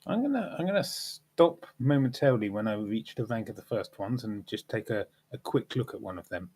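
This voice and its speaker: Male player, deep and a bit husky, casual and inquisitive. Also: animated, a little fast, a little mellow. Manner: inquisitive, asks many questions. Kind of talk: casual tabletop game chat.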